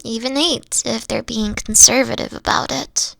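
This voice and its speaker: A woman voicing a gentle, thoughtful fox-girl girlfriend in an audio roleplay, speaking softly and hesitantly into a close mic. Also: fairly high pitch, steady tone, moderate pace, vocal fry, no room sound. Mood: reflective. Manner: soft-spoken, hesitant, explains carefully. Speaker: voice actor.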